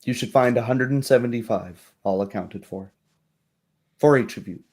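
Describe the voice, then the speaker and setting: A man voicing a courteous, shrewd baroness in a tabletop roleplaying game, with measured, genteel phrasing. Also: medium pitch, a little mellow, breathy edge, natural voice. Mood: amused, gracious. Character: courteous, shrewd baroness, a noblewoman musing over her troubled land.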